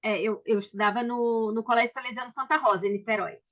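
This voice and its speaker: A woman's voice: a little high, steady tone, fast talker, a bit bright. A woman hosting a book club on a video call, chatty and welcoming, with frequent restarts. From Brazil. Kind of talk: casual video call chat. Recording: slightly dull video call audio.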